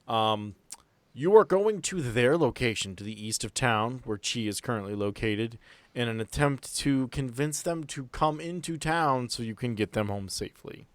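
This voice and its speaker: A man narrating a tabletop game as game master, setting scenes in a conversational, halting way. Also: mid-range voice, animated, no room sound.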